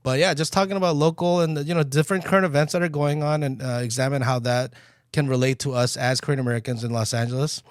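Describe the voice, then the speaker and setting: A man's voice: medium pitch, quick pace, clear, resonant tone, no room sound. A man hosting a casual podcast chat in a small studio, talking loosely with many fillers and restarts. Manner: relaxed, filler-heavy, self-correcting. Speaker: podcast host. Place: small studio room set up by the group. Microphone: boom-arm mic.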